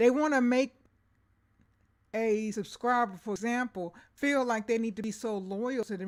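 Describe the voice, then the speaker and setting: Fairly high in pitch, a woman speaks in an animated tone with ordinary pitch variation. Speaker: YouTube commentator. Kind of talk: livestream commentary. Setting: livestream.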